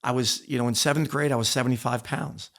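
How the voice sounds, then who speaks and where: A man with a creaky, gravelly voice tells candid stories as an interview guest. He is emphatic and often repeats a phrase to drive it home. His pitch sits in an ordinary middle range. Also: fairly even intonation, fast, fairly bright tone. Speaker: interview guest, former wrestler and coach. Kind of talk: candid storytelling in a podcast interview.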